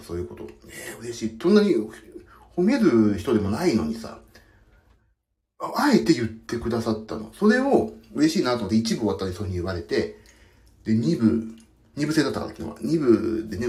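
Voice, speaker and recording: A man's voice: mid-range voice, sing-song, fast, warm tone. A man, a pianist, chatting casually about his work while soaking his feet in a bath, telling stories with self-mocking asides. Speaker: pianist and audio podcaster. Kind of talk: casual rambling chat. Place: bathroom, in a foot bath. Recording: echoey bathroom acoustics.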